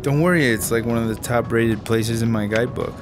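A man's voice: medium pitch, brisk, close to an everyday voice. Breezy American slacker guy, acted by a man, music behind. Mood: breezy, reassuring. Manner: casual, slangy. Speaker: actor. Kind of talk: radio drama acting.

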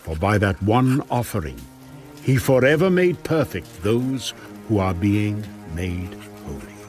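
A man's voice: on the low side, sing-song, measured pace, a little mellow, faint music behind. A man narrating dramatized scripture with earnest, emphatic, dramatic phrasing.

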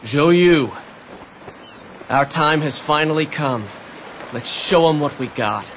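An actor playing a bold, ambitious young warlord in a game cutscene, brash and determined. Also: male voice, fairly high pitch, animated, takes it slowly, a bit bright, a little hiss or hum.

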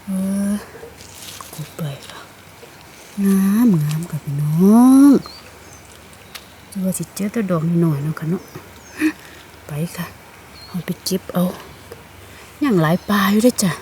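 Isan woman vlogger, lowish voice, excited forest narration, noisy outdoor sound. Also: unhurried, pauses often. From Northeast Thailand. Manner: excited exclamations, addressing viewers as siblings. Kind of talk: casual foraging vlog.

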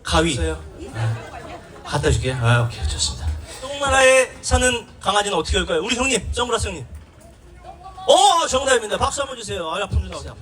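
A man performing as a pumba singer and emcee on an outdoor festival stage, bantering loudly and playfully with the audience. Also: sits high, sing-song, quick pace. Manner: loud playful banter, teases the audience, runs quizzes. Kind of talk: live stage singing and crowd banter. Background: live music and crowd.

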